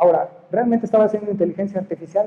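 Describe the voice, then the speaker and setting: This is a man speaking with a Mexican accent. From Mexico. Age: 50s. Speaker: technology executive; conference presenter. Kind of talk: conference talk. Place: hall.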